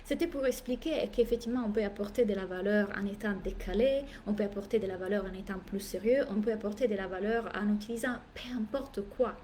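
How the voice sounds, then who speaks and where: A non-native French-speaking business coach talks fast in a medium-pitched voice with hardly any pauses during a live masterclass. Emphatic and playful, she repeats phrases for effect and adds theatrical asides in an animated way, with slight background noise.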